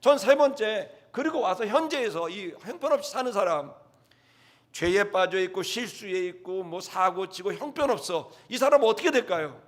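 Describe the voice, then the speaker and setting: A man's voice: high-pitched, expressive, normal speed. A man preaching a sermon as pastor, telling personal stories and acting out dialogue in a conversational way. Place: church sanctuary.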